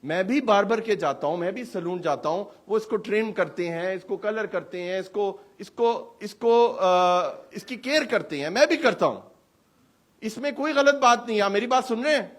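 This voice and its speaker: Male pastor, high-pitched, animated sermon delivery with rhetorical questions. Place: church hall service.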